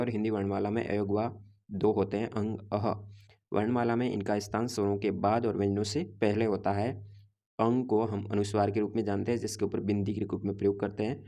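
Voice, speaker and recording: A man giving a grammar lesson in a low voice. He keeps to a flat, even tone and explains step by step, reciting the letters one at a time. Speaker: teacher.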